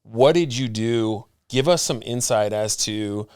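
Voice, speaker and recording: A man's voice: fairly low pitch, unhurried, darkish tone, smooth, no echo, studio quality. A man co-hosting a podcast, asking long rambling questions with many fillers. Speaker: podcast co-host. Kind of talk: interview questions.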